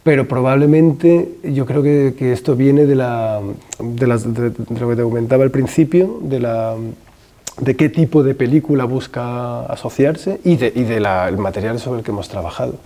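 A man talks through his ideas as a film director in an interview. His voice is gravelly and mellow, and he often stops, repeats himself and searches for words, filmed indoors at a middling distance. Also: mid-range voice, normal speed. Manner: hesitant, many restarts and fillers, thinks aloud; gestures with his hands as he talks. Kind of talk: interview answers. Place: room with wooden shelves, indoors.

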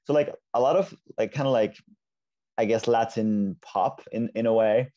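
Finnish male guest, 20s, native Finnish speaker; relaxed casual talker, dark tone, lo-fi call audio. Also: fairly low pitch, moderate pace. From Finland. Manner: relaxed, lots of like and you know. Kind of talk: casual interview chat. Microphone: earbud mic on a video call. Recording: dull lo-fi video call audio.

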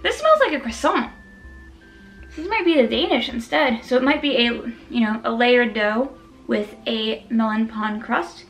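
A woman's voice: a little high, expressive, a little slow, a bit bright, soft background music. A woman hosting a mukbang, chatting casually about desserts while chewing and tasting. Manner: chatty and self-deprecating, talks while chewing. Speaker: food vlogger.

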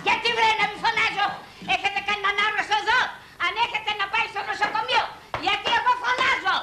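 An actress playing a brash, shouting older woman who wants a husband, in a 1980s film comedy. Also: high voice, animated, music in the background. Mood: brash, loud. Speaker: client seeking a husband.

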